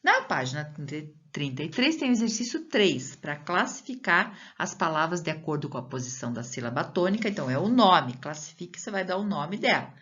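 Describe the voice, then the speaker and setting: A woman's voice: lowish voice, big pitch swings, brisk, few pauses, fairly bright tone, highs cut off. A Brazilian woman teacher giving a recorded lesson to children, explaining patiently, stretching out syllables and asking the pupil questions as she goes. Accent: Brazilian Portuguese.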